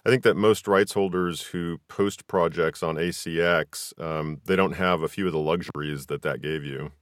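A man's voice: low voice, fairly even intonation, moderate pace, no echo, clean studio sound. A man hosting a podcast in a casual, conversational style. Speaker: podcast host and audiobook narrator. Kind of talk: casual podcast interview and chat.

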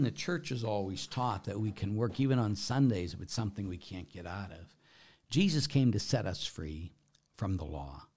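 A man's voice: lowish voice, darkish tone, breathy edge. A man speaking as a Catholic priest, giving informal religious teaching and answering questions in a conversational, emphatic way, often checking in with listeners.

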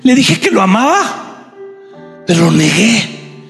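A man's voice: sits high, very animated, takes it slowly, gravelly, a bit bright, pitched above the performer's own voice, exaggerated voice. A man preaching, voicing the apostle Peter as a broken, ashamed grown man pleading over his failure. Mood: anguished. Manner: pleading, anguished self-reproach. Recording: long hall reverb, faint music.

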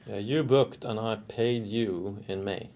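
An easygoing man co-hosts a casual podcast, speaking English. His voice is fairly low, and he drops dry, teasing remarks in a relaxed way. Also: unhurried. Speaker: podcast co-host. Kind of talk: casual chat.

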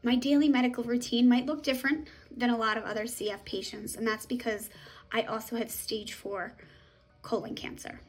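A woman's voice: fairly high pitch, steady tone, a little fast, breathy edge, faint music behind. A woman in her thirties speaking matter-of-factly in a testimonial interview. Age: 30s. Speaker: patient sharing her story.

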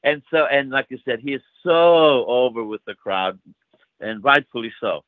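Lively intonation and a moderate pace mark this older man's mid-range, Greek-accented voice, heard without echo on a tinny phone line. A wrestling promoter, he shares stories warmly in a casual interview, full of fillers.

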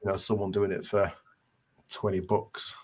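A man's voice: low voice, flat delivery, normal speed, darkish tone, slightly rough. A man with a British accent chatting casually as a podcast guest. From United Kingdom. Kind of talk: casual chat.

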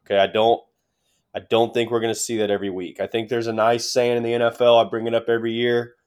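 A man's voice: mid-range voice, flat delivery, fast, darkish tone, smooth. A man co-hosting a sports podcast, giving casual commentary in short, emphatic phrases and checking in with his listeners.

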